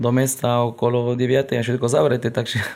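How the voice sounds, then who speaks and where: In a very clean recording with a silent background, a man speaks at medium pitch with a Spanish accent. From Argentina, Buenos Aires. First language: Spanish (speaking Slovak). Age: 30s. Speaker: footballer. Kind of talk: interview. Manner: halting.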